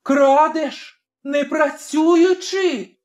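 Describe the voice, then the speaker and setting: A narrator voicing a young village woman who shouts in anger and sobs through her words, in an audiobook. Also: drawn-out words, soft background music, exaggerated voice. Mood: furious. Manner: shrill, shouting and crying. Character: young village woman, wronged, furious and sobbing. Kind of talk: audiobook character voice.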